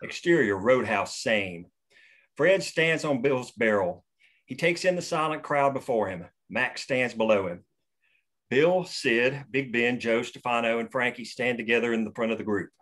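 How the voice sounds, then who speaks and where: A man reading screenplay stage directions at a table read in a steady, matter-of-fact way. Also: mid-range voice, moderate pace. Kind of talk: reading screenplay action lines.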